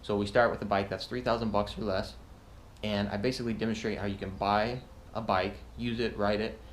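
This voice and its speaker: Casual man with a lowish voice. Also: flat delivery, fairly quick. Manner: casual slangy talk. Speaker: motovlogger. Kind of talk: casual garage vlog update. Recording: faint background noise.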